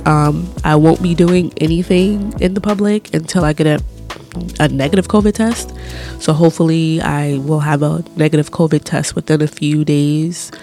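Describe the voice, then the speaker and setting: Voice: medium pitch, fairly even intonation, normal speed, warm tone, faint music behind. A podcast host with a stuffy, congested voice, rambling candidly in a casual personal monologue full of "um" and "like". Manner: rambling, candid, many fillers like "um" and "like".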